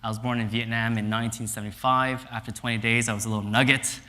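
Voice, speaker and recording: A man's voice: mid-range voice, fast talker. A man in his thirties from Canada gives a conference talk, telling stories with energy and acting out quotes on stage. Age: 30s. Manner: energetic, animated storytelling with voiced quotes. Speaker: speaker. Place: stage in a lecture hall. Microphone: clip-on mic.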